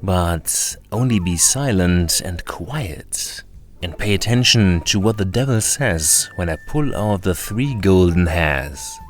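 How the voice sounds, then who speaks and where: A man voicing the devil's shrewd old grandmother in a storybook reading, speaking in a hushed, coaxing way. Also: sits low, expressive, slow pace, faint music behind.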